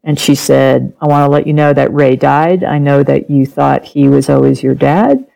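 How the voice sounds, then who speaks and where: Gravelly-voiced woman telling her family story. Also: extremely low pitch, moderate pace, poor audio. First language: German. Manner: animated, laughs often, acts out quoted speech. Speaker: podcast guest, author. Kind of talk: personal storytelling in an interview.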